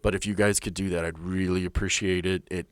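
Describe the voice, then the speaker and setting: A man with a fairly low voice talks as a game master hosting a podcast. He is casual, earnest and plain-spoken. The sound is dry, with little room to it. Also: flat delivery, a little fast, no echo.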